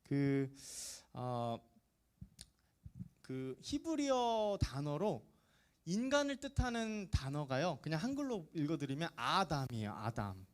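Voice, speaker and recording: Very animated yet slow-paced, a man in his thirties with a fairly high voice jokes and chats his way through a lively youth sermon for middle schoolers. He repeatedly asks the teens questions as his words ring in the church's long reverb.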